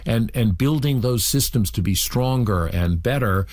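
A man with a lowish voice explains his points earnestly to a radio interviewer. He often doubles a word as he starts a sentence, then pushes steadily on. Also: lively intonation, measured pace, a little mellow. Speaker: interview guest.

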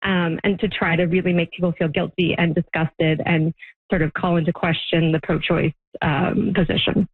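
A woman's voice: fairly low pitch, little pitch movement, moderate pace, slightly rough, no echo. A woman giving a news interview, talking hesitantly with ums, heard through a tinny clock-radio sound. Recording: tinny phone-like line, off-mic and dry.

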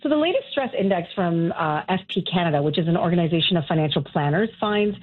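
Woman, landline phone call, tinny narrow sound, lowish voice, steady explaining tone. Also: quick pace. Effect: over a landline phone. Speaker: personal finance columnist. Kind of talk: radio interview over the phone.

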